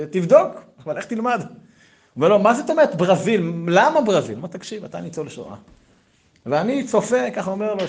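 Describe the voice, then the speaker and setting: A man telling a Hasidic story in a lively way, acting out the dialogue and swinging between loud and soft. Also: mid-range voice. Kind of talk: animated Hasidic storytelling talk.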